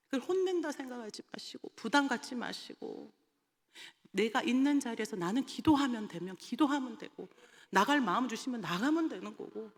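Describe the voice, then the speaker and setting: A woman evangelist telling a lively testimony in a sermon, laughing often as she recounts stories. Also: mid-range voice. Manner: animated storytelling, often laughing. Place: church sanctuary. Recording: long church hall reverb.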